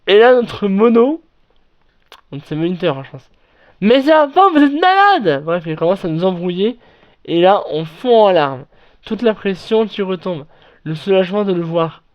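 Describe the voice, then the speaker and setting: A man reading internet horror stories aloud and then commenting on them, in a halting way with frequent restarts and self-corrections. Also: high voice. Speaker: online horror story narrator. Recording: dull lo-fi recording.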